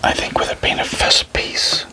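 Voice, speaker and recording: A man doing a whispered ASMR role-play as a jeweller, speaking gently and deliberately in a breathy, unvoiced whisper. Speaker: ASMR creator addressing viewers.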